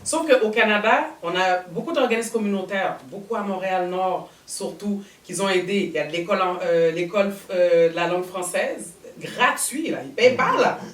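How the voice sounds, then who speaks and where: A woman hosting a casual panel chat, talking in animated, rambling bursts. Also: mid-range voice, moderate pace, few pauses, a little hiss or hum. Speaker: talk show host. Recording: roomy studio sound, mic at a distance.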